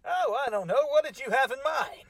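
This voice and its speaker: A man's voice: extremely high pitch, fairly quick, a bit bright, dry recording. A man hosting a comedy podcast, bantering with a guest in a theatrical, mock-formal manner.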